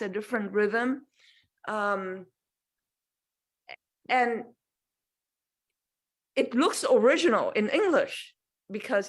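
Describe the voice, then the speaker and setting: A middle-aged woman from Vietnam, a native Vietnamese speaker, answering interview questions as a guest author over a video call, thoughtful and full of restarts. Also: mid-range voice. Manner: thoughtful, with many restarts and fillers.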